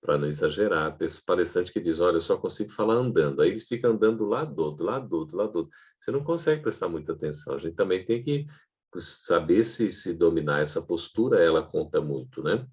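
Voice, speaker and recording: A man giving an online training lecture on public speaking to camera, in a lively teaching tone with frequent checking asides. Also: sits low, quick pace, breathy edge.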